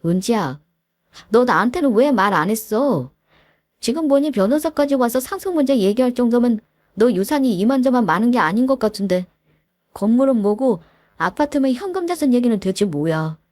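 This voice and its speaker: A woman voicing a greedy, whiny young man from a storybook, lower and huffier than her narrating voice. He pushes and complains over a dry, close mic. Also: expressive, moderate pace, a little mellow, no echo. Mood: urging. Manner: pushy, complaining. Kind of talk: storybook voice acting.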